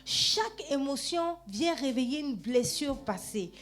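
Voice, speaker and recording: A woman pastor preaching a sermon in a church, talking straight to her listeners in a lively, conversational way, often tagging her phrases with "hein" and "amen". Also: sits high, a little slow. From Gabon.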